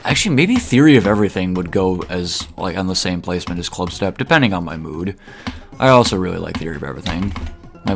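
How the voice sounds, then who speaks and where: A young man talks loosely to his live-stream audience in a very low voice, trailing off and starting sentences over. Faint music plays underneath, and keyboard typing clicks behind him. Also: gravelly. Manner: rambling, halting, with repeated restarts. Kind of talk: casual live-stream chat while gaming.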